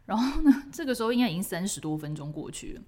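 A woman with a Taiwanese Mandarin accent hosts a storytelling podcast. Her voice is pitched in the middle range and swoops up and down a great deal as she tells her story with vivid expression. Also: very animated, quick pace, darkish tone. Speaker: podcast host.

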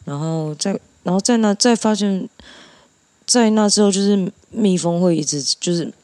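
A speaker with a Taiwanese Mandarin accent chatting casually and reflectively, pausing to find words and dropping in English. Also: medium pitch, a little mellow, no room sound. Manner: halting, mixes in English words.

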